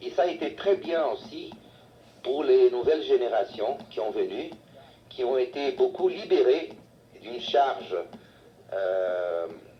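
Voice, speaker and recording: Long, frequent pauses break up the man's very slow delivery. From Brazil, São Paulo. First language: Portuguese (speaking French). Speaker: architect and professor. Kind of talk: interview. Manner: halting, many hesitations and repetitions.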